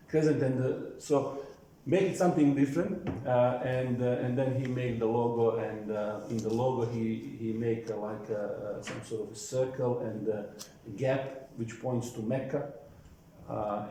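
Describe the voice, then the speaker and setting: Man, CEO, panel answer, mellow voice, very echoey hall, faint room hum. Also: medium pitch. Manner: halting, many fillers and restarts. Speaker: company CEO answering questions.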